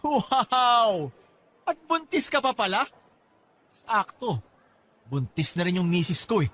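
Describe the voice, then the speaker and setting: Casting: bitter, sarcastic young son for radio drama, lively swooping pitch, slightly high, husky. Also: male voice, slow, heavily acted. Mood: mocking, angry. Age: young adult. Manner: taunting, sarcastic, theatrical. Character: cocky bitter young son, age twenty-two. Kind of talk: Tagalog radio drama acting.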